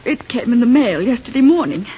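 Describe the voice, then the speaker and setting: A grieving new widow in an old radio crime drama. Her high voice stays subdued and shaken over a faint hiss. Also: very animated, fairly quick, mellow, dull audio. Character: newly widowed woman answering questions. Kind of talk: 1940s radio acting.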